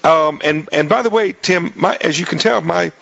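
A man hosting a radio talk show in a casual, joking way, his voice raspy, often restarting his sentences. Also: a little high, moderate pace, fairly bright tone, highs cut off. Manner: jokey, rambling with many restarts.

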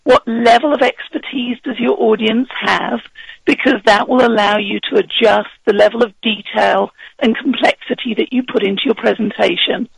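High husky guy coaching on presentations, real gravelly, dry sound. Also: steady tone, normal speed, a bit bright, no echo, poor audio. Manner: confident, instructive. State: husky voice from heavy speaking. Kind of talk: advice in a radio interview.

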